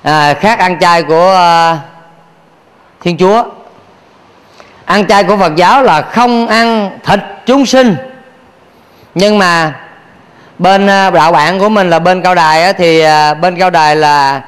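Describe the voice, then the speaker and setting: A man's voice: high-pitched, slow, long pauses, a bit bright, in a large hall. A man, a Buddhist monk giving a playful dharma talk, questioning his audience and laughing often. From Vietnam.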